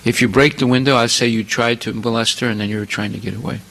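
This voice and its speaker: Man playing a cold blackmailing old grandmother, blunt threats, bright gravelly voice. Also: mid-range voice, fairly even intonation, quick pace, poor audio. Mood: threatening.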